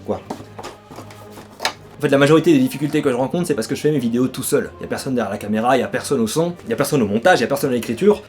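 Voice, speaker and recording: A young man recording in his bedroom, answering viewer questions with deadpan jokes and quick asides. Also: medium pitch. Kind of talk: comic FAQ monologue. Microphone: camera far from him.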